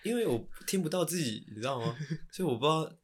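A man co-hosting a podcast in casual chat, excitable and given to sudden loud bursts. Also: on the high side, fast talker. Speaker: podcast co-host.

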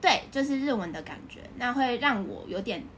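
A woman's voice: fairly high pitch, expressive, fairly quick, a bit bright, slight background noise. A young woman with a Taiwanese Mandarin accent, an interview guest explaining things in an agreeable, casual way. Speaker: interview guest, English teacher.

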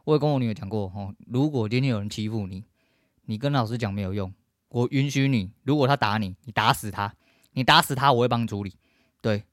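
A man's voice: mid-range voice, fast, no room sound, clean studio sound. A middle-aged man with a Taiwanese Mandarin accent, hosting a podcast in a blunt, profane, emphatic casual rant. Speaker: podcast host.

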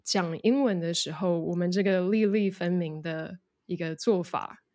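A woman who coaches English speaks Mandarin with a slight English-influenced accent, explaining things in an interview. She slips English words in and demonstrates phrases. Her voice sits on the low side, mellow, at a normal speed.

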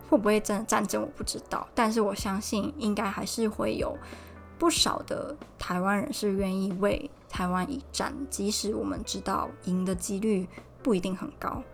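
A young woman from Taiwan hosting a casual solo podcast, chatty and retelling conversations. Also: mid-range voice. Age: young adult. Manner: chatty, recounts dialogue with animated quoted voices. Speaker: podcast host. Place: Poland.

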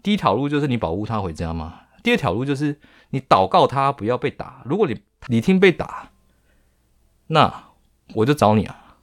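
Blunt Taiwanese-accented schoolteacher, stern and lively, put on by a male podcaster. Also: medium pitch, normal speed, close to an everyday voice. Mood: bargaining. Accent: Taiwanese Mandarin. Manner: blunt, bargaining, mock-stern. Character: blunt, streetwise schoolteacher scolding a bully.

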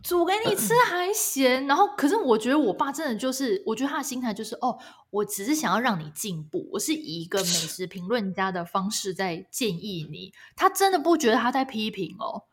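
A woman co-hosting a casual chat podcast, telling stories in an exasperated, animated way. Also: fairly high pitch, a little fast, few pauses, slightly rough. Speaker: podcast co-host.

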